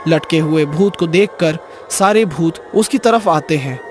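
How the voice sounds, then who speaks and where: A man's voice: on the high side, a little slow, background noise. A man narrating a scripted cartoon horror story as its storyteller. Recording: music behind the voice.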